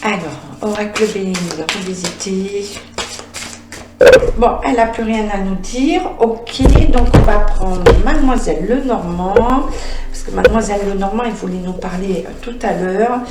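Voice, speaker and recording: A woman's voice: mid-range voice, heavy background noise. Woman medium reading cards in an echoey room. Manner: halting, many filler sounds, talks to the cards. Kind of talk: spoken card reading with visions.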